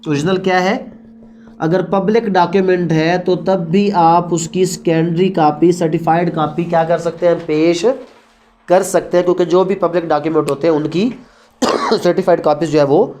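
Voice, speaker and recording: A man's voice: high voice, steady tone, moderate pace, a little mellow. A man with a Pakistani accent giving an explanatory lecture in a didactic way, posing questions and answering them himself. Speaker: law lecturer. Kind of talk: explanatory lecture on evidence law, mixing Urdu and English.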